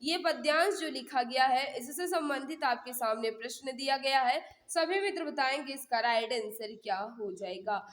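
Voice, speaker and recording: A woman with a notably high voice leads a live exam prep lesson. She reads questions and answers aloud, repeats key points, and keeps prompting her students to respond. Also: moderate pace, few pauses, a bit bright, roomy sound. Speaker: exam prep teacher hosting a live class.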